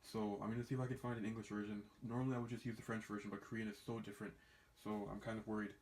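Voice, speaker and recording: A man's voice: lowish voice, little pitch movement, racing, darkish tone. A young man talking casually to camera as a language-learning vlogger, rambling and restarting his sentences. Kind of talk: casual vlog talk. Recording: echoey room.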